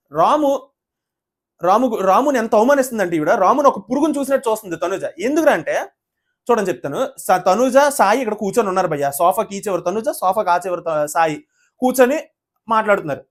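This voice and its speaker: A man ranting indignantly in an opinionated video review, often addressing the viewers as "brother". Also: high-pitched. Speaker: YouTube reviewer of a reality show.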